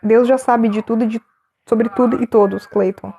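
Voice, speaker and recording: A woman's voice: fairly high pitch, fairly even intonation, moderate pace, creaky, warm tone, lo-fi sound. A woman chatting casually on a live stream, laughing often and reading viewers' names from the chat.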